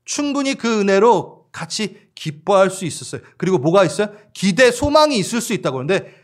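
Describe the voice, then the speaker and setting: A man preaching a church sermon as pastor, lively and laughing along with the congregation while acting out voices. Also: high-pitched, brisk.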